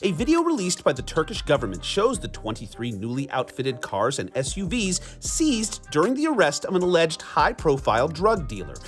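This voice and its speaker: A man reading a short news report in a lively, emphatic way. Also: on the high side, normal speed, few pauses, faint music behind.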